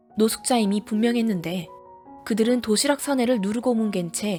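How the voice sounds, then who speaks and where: A fairly high-pitched woman at a moderate pace, with ordinary pitch variation and music in the background. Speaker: audiobook narrator. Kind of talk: audiobook novel reading.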